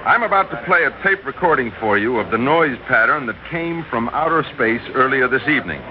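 A man playing a smooth radio announcer. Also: medium pitch, expressive, brisk, crowd noise, lightly acted. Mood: announcing. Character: radio announcer reporting a space message, man. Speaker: radio broadcaster. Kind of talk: 1960s radio drama acting. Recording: dull old radio recording with hiss.

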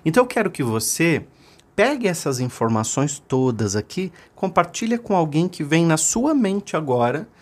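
A man's voice: fairly high pitch, very animated, normal speed. A man hosting a podcast in a direct, emphatic motivational monologue, repeating key phrases. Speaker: podcast host.

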